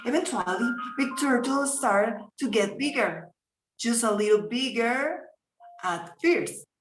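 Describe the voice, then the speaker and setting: A woman reading a scripted fairy tale as storyteller, in a halting, deliberate manner. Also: a little high, animated, soft background music. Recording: echoey, roomy sound.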